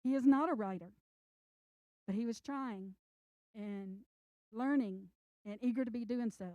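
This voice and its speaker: Earnest older woman author, high voice. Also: no room sound, dull audio. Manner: earnest, encouraging, speaks slowly with emphasis. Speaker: children's book author. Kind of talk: author presentation to an audience. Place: library event room.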